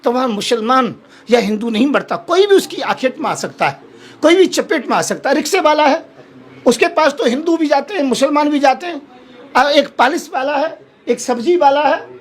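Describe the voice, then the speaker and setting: A man's voice: very high-pitched, expressive, normal speed. A man, a Hindu holy man appearing as a guest in a heated television debate, who speaks in an impassioned, pleading way and keeps repeating himself.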